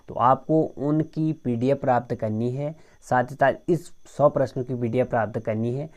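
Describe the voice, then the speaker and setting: A man's voice: medium pitch, a little mellow. A man teaching an exam-prep grammar lecture, explaining step by step and often addressing viewers as friends.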